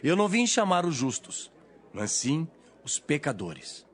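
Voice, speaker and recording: A man playing Jesus as a calm, authoritative teacher and healer in a dramatized audio Bible, with solemn, declamatory delivery. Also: on the high side, measured pace. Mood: solemn teaching.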